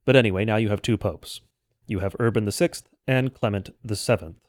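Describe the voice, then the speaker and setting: A man delivering an explanatory history lecture in a measured, didactic way with formal phrasing. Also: on the low side, dry recording, studio quality. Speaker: host of a church history podcast. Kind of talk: explanatory lecture, semi-scripted narration.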